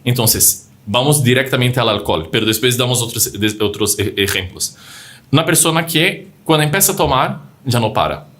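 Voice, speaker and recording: A man co-hosting a religious podcast, speaking a language that is not his first. His voice sits at a middle pitch. He explains things in plain examples and often breaks off a word to restart it as he hunts for the right phrasing. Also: animated, moderate pace, a bit bright. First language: not Spanish. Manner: explains with examples and acted-out quotes, frequent restarts. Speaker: podcast co-host.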